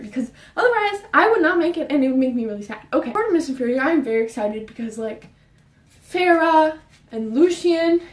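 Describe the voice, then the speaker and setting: A young woman vlogging casually about books, talking fast and rambling, a bit out of breath. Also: high-pitched, a bit bright, recorded from a distance. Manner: fast, rambling, with fillers and restarts. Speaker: book vlogger. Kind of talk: casual book chat. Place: her bedroom. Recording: roomy sound, voice off-mic.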